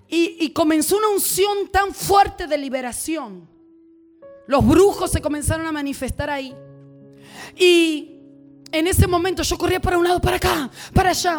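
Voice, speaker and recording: A woman preacher telling a deliverance story in an animated sermon, shouting at high points.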